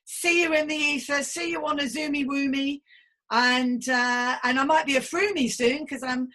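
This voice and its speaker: A woman's voice: sits high, fairly even intonation, moderate pace, pushed and bright. A woman in her fifties hosting a casual conversational podcast interview in an effusive, chatty, playful way. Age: 50s. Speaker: podcast host.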